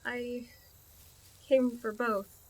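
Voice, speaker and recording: A woman's voice: on the high side, flat delivery, very slow, heavily acted, poor audio. A woman playing a cocky daredevil spy in an audio drama, bold and guarded about her feelings. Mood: conflicted.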